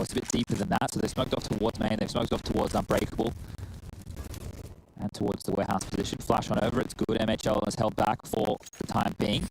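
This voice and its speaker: A man with an Australian accent calling an esports match play-by-play, brisk and playful between rounds. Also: on the low side, vocal fry, noisy background. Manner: brisk, quick-talking, playful banter. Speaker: esports caster. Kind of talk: play-by-play commentary.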